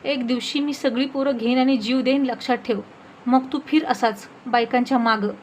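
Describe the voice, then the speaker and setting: Woman voicing a wronged village mother, loud tearful scolding, high voice, faint background noise. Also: steady tone, normal speed, close to an everyday voice. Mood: furious. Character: poor rural mother, wronged and furious.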